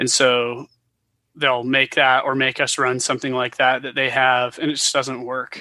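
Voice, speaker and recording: A man's medium-pitched, bright, sharp voice at a moderate pace, monotone and flat, over a quiet background. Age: 30s. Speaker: ad agency founder. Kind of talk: casual chat.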